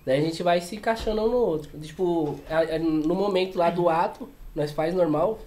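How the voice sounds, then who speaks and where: A man's voice: a little high, moderate pace, darkish tone. A man with a Brazilian accent telling casual anecdotes as a podcast guest, using heavy slang and repeating himself.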